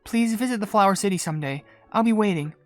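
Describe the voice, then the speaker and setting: A woman voicing a gentle, courteous young female incense maker in a game, polite and measured. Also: medium pitch, expressive, natural voice. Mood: grateful. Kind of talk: reading game dialogue aloud in character. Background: game music.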